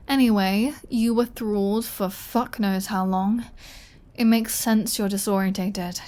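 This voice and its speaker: Female vampire played by a woman, unhurried delivery, flirty and sardonic, playfully bossy, for intimate roleplay audio drama. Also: mid-range voice, darkish tone, close to an everyday voice. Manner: playful, teasing, dry, bossy.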